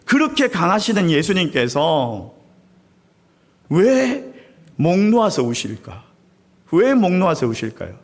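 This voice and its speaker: A male pastor with a high voice that swings up and down, preaching a Sunday sermon from the pulpit. He tells his stories dramatically and often calls out to the congregation directly. His voice climbs sharply whenever he acts a scene out. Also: measured pace, pauses often. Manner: animated storytelling, acting out crowds and weeping. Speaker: senior pastor. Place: church sanctuary.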